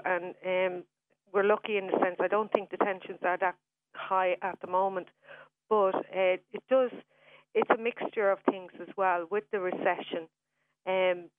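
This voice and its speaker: A man speaking hesitantly as a guest on a phone-in radio interview. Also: high voice. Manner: hesitant, with fillers. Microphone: telephone. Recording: tinny phone line.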